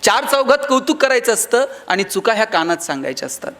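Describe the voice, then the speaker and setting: A man's voice: high voice, big pitch swings, fairly quick, pushed and bright. A man with a Marathi accent giving a motivational speech in a hall, telling stories and acting out dialogue in other voices. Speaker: motivational speaker.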